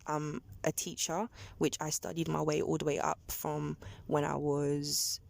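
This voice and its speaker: A woman's voice: low voice, flat delivery, unhurried, creaky, darkish tone, dry recording. A woman, a taxi rider telling her life story in a plain, matter-of-fact way, with restarts along the way. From London. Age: 20s. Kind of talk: personal life story told in conversation. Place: back of a taxi. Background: child's noise and ambience.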